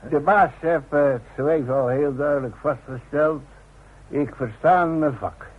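An actor playing a proud, gruff old chimney worker in a Dutch radio play, plain-spoken and halting. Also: male voice, on the high side. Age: older. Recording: muffled phone-like old radio recording, faint noise.

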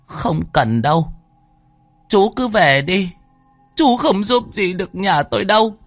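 A woman's voice: medium pitch, lively intonation, measured pace, dry recording, soft background music, pitched above the performer's own voice. A man voicing a tearful village woman who curtly holds back her emotion. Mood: choked refusal. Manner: choked, curt.

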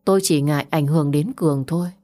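A woman narrating a first-person audio story in a steady, measured way. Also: deep voice.

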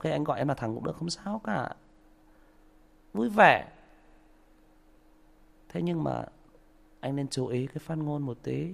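A man lecturing a commenter during a livestream, sarcastic and scolding, with sudden loud outbursts. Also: medium pitch, vocal fry. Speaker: livestream story reader addressing a commenter. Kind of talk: livestream rant.

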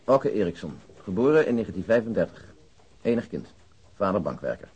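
Methodical investigator: rough-edged mid voice, brisk, clipped factual reporting, radio drama. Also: male voice, lowish voice, big pitch swings, a little mellow, exaggerated voice. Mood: factual, precise. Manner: dry, factual. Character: matter-of-fact male detective, dryly precise.

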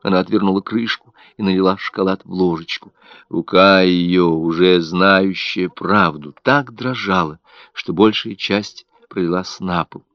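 A man narrating an audiobook with an expressive, dramatic delivery. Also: sits low, a little slow, no echo. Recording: dull, dry audiobook recording.

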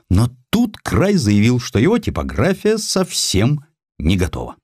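Deep-voiced male narrator, lively intonation. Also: dry recording, clean studio sound. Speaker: audiobook narrator. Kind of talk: scripted literary narration of a historical sketch, acting out dialogue.

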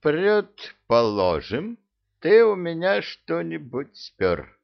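Guy putting on a high squeaky drunk villain, boastful and bossy, slow and gravelly, dull lo-fi sound. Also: sing-song, heavily acted. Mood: scheming. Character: drunk, boastful immortal male villain Koschei. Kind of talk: audiobook character voice.

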